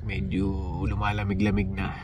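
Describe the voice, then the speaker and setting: A man's voice: on the low side, monotone, moderate pace, noisy background. A man co-hosting a casual vlog chat outdoors, chiming in with short questions and teasing remarks. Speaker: vlogger, co-host. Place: outdoors at sunset.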